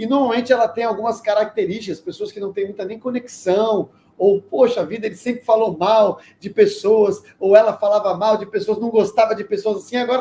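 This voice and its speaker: A man speaks at a high pitch with a dark, mellow tone. His loudness swings a lot. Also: hardly any pauses. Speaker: relationship coach. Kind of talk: live stream talk. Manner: fast.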